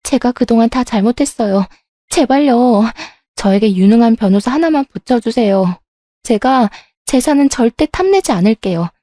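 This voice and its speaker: A woman putting on a frantic, shrill jailed mistress. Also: expressive, normal speed, mellow, no room sound, clean studio sound. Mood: pleading.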